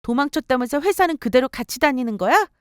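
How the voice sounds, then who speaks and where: A woman narrating a dramatized personal story for story radio and voicing her own sharp-tongued replies. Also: high-pitched, expressive, fast, clean tone, dry recording, studio quality.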